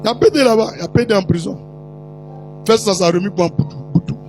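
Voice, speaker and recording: A male preacher telling a story in a sermon to his congregation, teasing the crowd and slipping into put-on voices and shouts. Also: sits high, fast, faint music behind.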